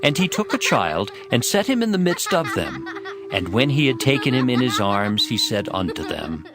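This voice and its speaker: A man narrating scripture as a dramatized story, in a measured and expressive storytelling manner. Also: medium pitch. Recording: music behind the voice. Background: music.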